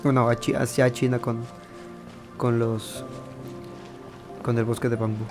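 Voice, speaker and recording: A man's voice: mid-range voice, little pitch movement, normal speed. A man with a Mexican accent giving casual, joking gameplay commentary as a gaming video host. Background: game music.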